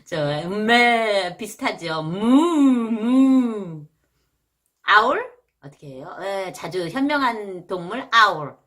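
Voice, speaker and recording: A Korean woman teaching English vocabulary in a casual video lesson, jumping high to imitate animal sounds. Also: animated, measured pace, bright, forceful tone.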